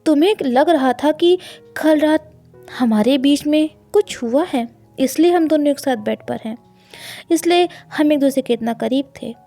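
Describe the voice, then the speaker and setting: A woman's voice: sits high, unhurried, dark tone, faint music behind, pitched above the performer's own voice. A woman voicing a stern, dominant young man who talks in a firm, commanding, scolding way, reading a storybook scene. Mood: exasperated.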